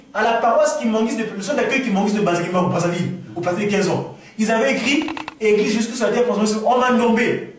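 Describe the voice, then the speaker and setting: Man from the Congo, animated, restarts a lot; high-pitched, recorded from afar. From Republic of the Congo. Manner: animated, repeats words and restarts, rising to exclamations. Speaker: speaker answering questions at a gathering. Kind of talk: spontaneous talk to an audience. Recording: echoey room, far from the mic.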